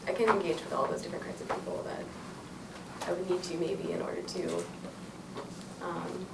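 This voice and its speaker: A woman's voice: lowish voice, steady tone, normal speed, gravelly. A young woman, a doctoral fellow, talking in a rambling, filler-heavy way during a group discussion. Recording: distant, roomy, loud background noise.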